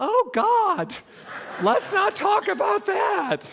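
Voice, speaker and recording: A man shouts in a put-on character voice with extremely high pitch. His pace is very slow. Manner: anxious, panicked.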